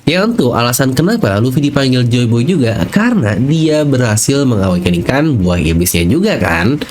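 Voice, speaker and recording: A man's voice: mid-range voice, very animated, normal speed, a little mellow. An Indonesian man hosting an explainer in a casual, emphatic style, using rhetorical questions and colloquial phrasing. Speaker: YouTube host. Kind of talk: casual explainer narration of anime theories.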